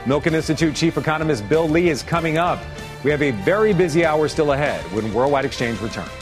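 A man's voice: a little high, animated, fast talker, music in the background. A man anchoring a financial news broadcast, presenting to viewers and putting questions to guests.

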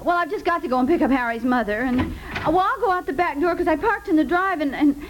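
Radio comedy neighbour: very animated high voice, stammering, apologetic, dithering, noisy vintage recording. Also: female voice. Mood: apologetic, hurried. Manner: halting, stammering, breathlessly repetitive. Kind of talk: 1950s American radio comedy acting.

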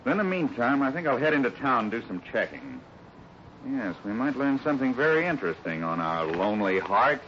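Man playing a lively, fatherly cowboy hero. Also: medium pitch, fairly quick, close to an everyday voice. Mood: thoughtful. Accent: American. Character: steady, fatherly cowboy ranch foreman hero. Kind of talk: 1950s radio adventure acting. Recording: noisy, dull 1950s radio recording.

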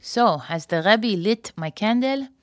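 A woman's voice: mid-range voice, expressive, unhurried, no echo, studio quality, lightly acted. A woman voicing an earnest, questioning Israeli man, a diplomat in a story, with a put-on Israeli accent. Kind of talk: acted story reading.

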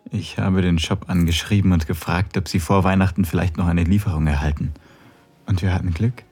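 A man playing a dominant male lover in an intimate audio drama, giving commands in low murmured whispers. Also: fairly even intonation, a little fast, a little mellow, husky. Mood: eager. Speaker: voice actor in an erotic audio drama.

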